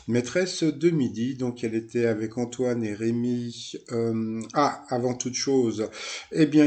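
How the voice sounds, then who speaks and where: A man talks through a recap of a TV quiz show in a loose, chatty way. His voice is mellow and dark, and he keeps stopping for fillers, side remarks and self-corrections. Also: medium pitch. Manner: rambling, many fillers, asides and self-corrections. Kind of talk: casual recap commentary.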